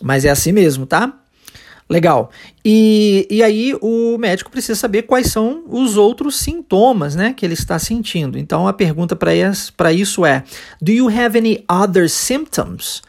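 Animated and at a moderate pace, a mid-range voice with vocal fry and a darkish tone leads a podcast English lesson. The Brazilian Portuguese-accented teacher goes step by step, uses short check-in tags often and prompts listeners to repeat phrases.

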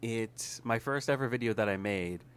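A young man with a fairly low voice chats casually on a podcast. He tells his stories with animated energy and laughs often along the way. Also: moderate pace, clear, resonant tone. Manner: animated storytelling with frequent laughs. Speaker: guest YouTuber.

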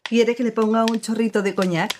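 A woman playing a guarded female opera singer, widow of a fallen man, who speaks in a cool, measured, evasive way in a radio drama. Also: a little high, fairly even intonation, background noise, natural voice.

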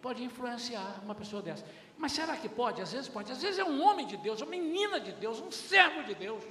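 A middle-aged pastor preaches with a high, lively, bright voice, swinging his pitch widely as he acts out family scenes. His sermon rings through a reverberant church hall with a faint hum of the room behind him. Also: fairly quick. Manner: animated preaching, acting out family dialogues.

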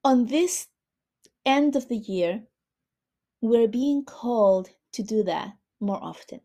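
A woman from Chile hosting a spiritual podcast, talking in a soft, reverent way and drawing out her words. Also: a little high, lively intonation, slow. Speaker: podcast host, spiritual healer.

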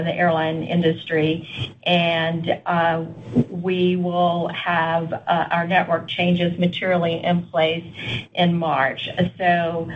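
Lady exec on an earnings call, lowish flat voice, super halting, muffled line. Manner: halting, very hesitant phrasing. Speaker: airline executive. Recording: muffled conference line, faint noise.

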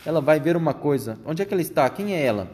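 A spoiled, greedy boy who has just become a mouse, complaining and shouting in a raised, indignant voice, as a man reading a storybook puts him on. He sounds put out and demanding, every line a protest. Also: a little high, animated, fast talker, lightly acted. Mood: grumbling.

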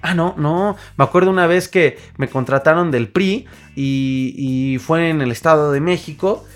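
A man with a Mexican accent, a podcast host and singer, telling stories in a casual, animated monologue full of fillers and restarts. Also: fairly high pitch, moderate pace, soft background music. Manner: animated storyteller, acts out quoted voices, frequent fillers and restarts.

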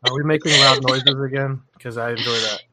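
A man's voice: medium pitch, fairly even intonation, fairly quick, a loud crowd. A man playing a tabletop game, chatting casually at the table. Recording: noisy recording with clicks.

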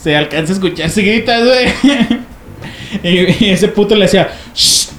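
High-voiced Mexican guy telling stories. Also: fairly quick, soft background music. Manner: animated, slangy, laughing, acts out others' lines. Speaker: podcast co-host. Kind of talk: casual storytelling among friends. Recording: echoey room, faint background noise.

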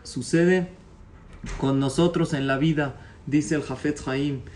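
A man telling a parable as a religious teacher, animated, acting out the characters and quizzing his audience. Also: fairly high pitch, takes it slowly, distant mic, a little hiss or hum. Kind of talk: storytelling sermon.

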